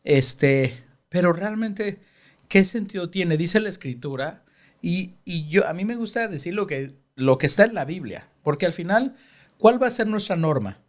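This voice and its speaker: A man's voice: high voice, expressive, normal speed. A man hosting a Christian podcast, explaining scripture earnestly in a casual chat. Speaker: podcast host.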